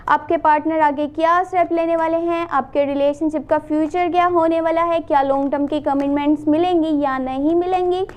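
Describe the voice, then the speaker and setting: A woman from Pakistan, slightly hoarse from a sore throat, gives a casual tarot reading. She talks straight to the viewer, repeating and listing phrases and mixing in English. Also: very high-pitched, darkish tone. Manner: addresses the viewer directly, repeats and lists phrases, mixes in English. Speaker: tarot reader.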